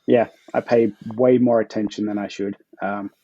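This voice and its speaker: A forty-year-old Australian man chatting casually and in a low-key way as an author guest on a podcast. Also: flat delivery, moderate pace, warm tone, dull audio, slight background noise. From Perth, Australia.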